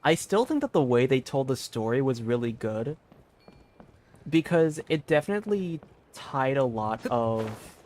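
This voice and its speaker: A man's voice: mid-range voice, big pitch swings, a little slow, darkish tone. A man giving casual live gaming commentary as a streamer, informal and thinking aloud in a meandering way. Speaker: game streamer.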